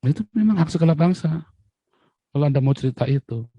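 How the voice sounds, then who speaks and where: A man from Indonesia delivering a heated political rant, his slightly raised voice jumping from loud bursts to low muttered asides. The sound is close and dry, with no room around it. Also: animated, brisk, dry recording, dull audio. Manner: heated, repetitive, swinging between loud outbursts and low asides. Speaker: political commentator. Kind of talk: angry solo political rant. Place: abroad, talking to camera.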